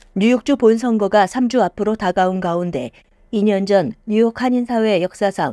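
At a fairly slow pace, a woman's dark, mellow voice comes through a very clean recording with a silent background and a dry, close sound with no echo. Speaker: news presenter and ad announcer. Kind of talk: news reading.

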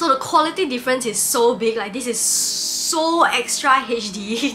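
A woman speaks in a high voice with ordinary pitch variation while faint music plays in the background. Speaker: lifestyle vlogger. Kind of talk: casual haul vlog chat. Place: home room.

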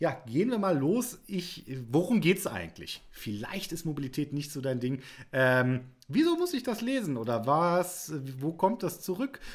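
A man at a fairly slow pace, pitch swinging very widely, against a quiet background. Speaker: mobility podcaster. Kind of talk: casual podcast commentary. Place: home room. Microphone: headset.

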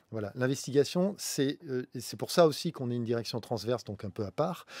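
Against a quiet background, a man with a dark, mellow tone speaks with lively intonation in a dry sound with no echo. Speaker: head of an investigative journalism unit; guest. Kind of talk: live interview. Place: studio. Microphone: studio mic.

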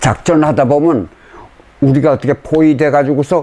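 A man with a fairly high voice talks while noticeable noise sounds in the background. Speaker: war veteran. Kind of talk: interview answer.

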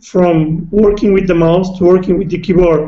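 The man's tone is dark and mellow, with a Portuguese accent. Audible room echo surrounds his voice. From Portugal. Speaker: BI developer. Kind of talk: video call panel discussion. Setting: phone. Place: home room. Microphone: webcam.

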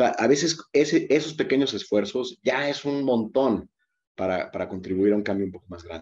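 A man speaks with a Mexican accent and lively intonation, his loudness swinging widely. The background is quiet. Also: moderate pace. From Mexico. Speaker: economist and coach; coach. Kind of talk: interview conversation; interview answer. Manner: halting, many repetitions and fillers. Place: home room. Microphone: video call.

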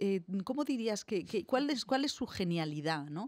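A woman speaks at a medium pitch, fairly slowly, with very wide pitch swings. The background is quiet. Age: 50s. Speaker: film and TV podcast host, journalist; TV podcast host, journalist. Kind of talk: interview chat. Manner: halting, many fillers. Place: studio. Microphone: studio mic.

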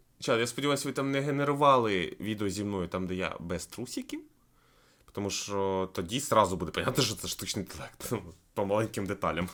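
A man speaks at a fairly quick pace with a fairly low pitch, lively intonation and an animated tone. The recording is very clean, with a silent background. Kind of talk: casual stream banter. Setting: livestream. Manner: joking, animated.

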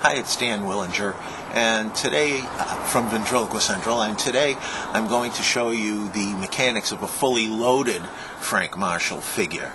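There is noticeable background noise as a man speaks. His pace is moderate and his pitch variation ordinary. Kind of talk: tutorial. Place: garden. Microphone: phone near.

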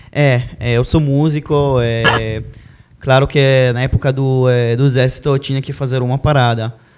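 Faint music plays in the background. A man speaks at a very slow pace with monotone, flat intonation. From Israel. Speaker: Hebrew teacher and musician; Hebrew teacher. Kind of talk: TV interview. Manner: halting, many filler hesitations. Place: studio. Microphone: handheld.

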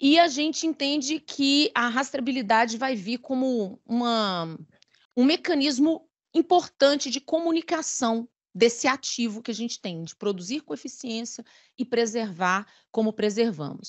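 A woman's high-pitched voice at a fairly slow pace, with lively intonation, big swings in loudness, and a quiet background. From Brazil. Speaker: government official. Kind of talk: conference panel presentation. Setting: stage with audience. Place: meeting room. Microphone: handheld.

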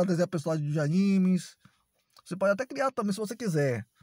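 A man speaks very fast in a high voice, recorded dry and close with no echo, the recording very clean against a silent background. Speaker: YouTuber teaching pixel art drawing. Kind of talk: casual tutorial. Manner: hurried.

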